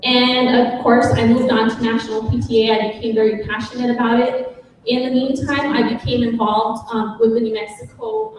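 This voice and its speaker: An earnest woman speaks about her path as a parent advocate, with frequent pauses. Her voice is fairly high and sounds distant, picked up from far off in a very echoey conference hall. Faint room noise sits behind her. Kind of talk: personal story at a symposium.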